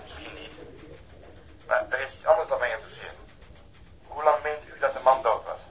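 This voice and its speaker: An actor playing a probing police investigator who questions in a terse but polite way, in radio drama dialogue. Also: male voice, medium pitch, normal speed, lightly acted, rough recording. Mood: sceptical, probing.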